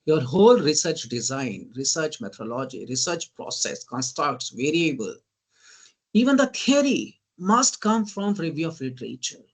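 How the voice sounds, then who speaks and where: A man with an Indian English accent, giving an online teaching lecture. He keeps asking "right?" and often says "ladies and gentlemen.". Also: fairly high pitch, big pitch swings, normal speed, slightly rough. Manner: lists terms in emphatic bursts. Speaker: guest lecturer.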